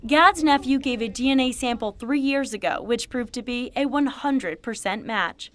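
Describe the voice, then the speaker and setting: A woman's voice: on the high side, normal speed, a bit bright. An American woman reading scripted news narration as a television reporter.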